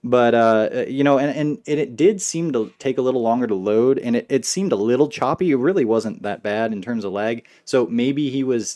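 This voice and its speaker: A man's voice: mid-range voice, darkish tone. A man co-hosting a casual gaming podcast, joking and trash-talking rage quitters. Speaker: podcast co-host.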